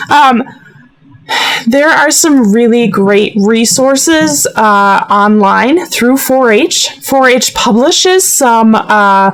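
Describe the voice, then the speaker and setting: A woman with an American accent speaks very slowly, her fairly high voice showing lively intonation at very even loudness. Noticeable background noise sits behind her. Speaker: 4-H youth educator. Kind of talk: online presentation to youth. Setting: video call. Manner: animated.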